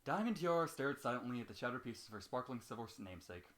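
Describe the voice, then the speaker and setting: A man's voice: medium pitch, expressive, quick pace, fairly bright tone. A man hosting an amateur reading, moving between casual banter with some swearing and story narration. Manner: profane, joking. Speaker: host reading fan fiction aloud.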